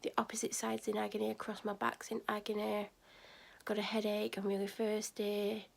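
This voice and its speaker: A woman's voice: mid-range voice, completely flat delivery, fairly quick, gravelly. A woman vlogging while sick and exhausted, with a sore throat, rambling tiredly with many fillers. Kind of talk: casual vlog chat. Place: bedroom at night, then out by a shop.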